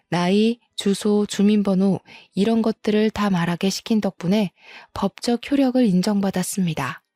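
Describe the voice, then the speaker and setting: A woman's voice: mid-range voice, mellow, no room sound. A woman narrating a dramatic first-person story with emphatic, indignant delivery.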